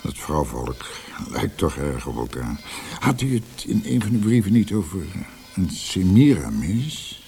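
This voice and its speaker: An actor playing a blunt, jovial middle-aged composer in a radio drama, with a halting, teasing delivery. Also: male voice, deep voice, big pitch swings, warm tone, faint music behind, full character voice. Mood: bargaining.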